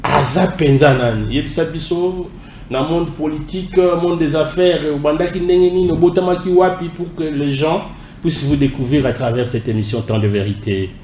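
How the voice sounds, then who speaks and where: A man with a Congolese French accent hosts a TV interview, animated and switching into Lingala. His voice is a little high. The studio sounds echoey, with faint background noise. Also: normal speed. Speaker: TV host.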